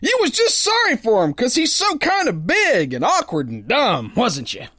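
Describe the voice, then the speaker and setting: An actor playing a boastful, dim but good-hearted brawling sailor in a pulp radio drama, with folksy slang. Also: male voice, very high voice, wildly swooping pitch, moderate pace, pushed and bright, dry recording, clean studio sound, full character voice. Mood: cocky bragging. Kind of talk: first-person pulp radio drama narration and dialogue.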